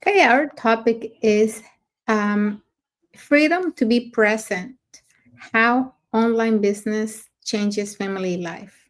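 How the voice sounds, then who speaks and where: A woman's voice: a little high, takes it slowly. A woman from Mexico co-hosting a podcast, announcing in a cheerful, list-like way. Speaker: podcast co-host. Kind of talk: casual podcast talk.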